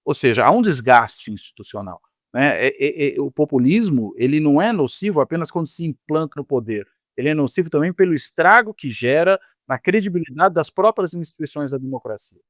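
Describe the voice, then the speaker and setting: A man with a Brazilian Portuguese accent giving measured, analytical political commentary, often tagging his points with quick questions. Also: a little high, lively intonation, dry recording, clean studio sound. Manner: measured, lecturing, frequent tag questions. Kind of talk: analytical panel discussion.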